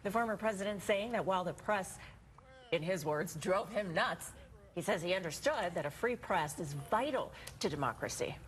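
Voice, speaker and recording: A woman's voice: fairly low pitch, animated, normal speed, slight background noise. An American woman presenting morning news and weather in a conversational, chatty way. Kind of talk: live newscast, partly ad-libbed forecast.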